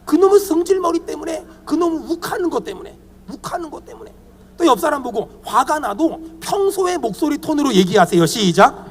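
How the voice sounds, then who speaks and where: A humorous man in his fifties preaches at a church retreat, leading the congregation in call-and-response. His voice sits high and swings widely in pitch. The sound carries a long reverb from a church meeting hall. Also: fairly quick, a little hiss or hum. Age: 50s. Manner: animated, humorous, leads the congregation in repeating phrases. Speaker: guest pastor.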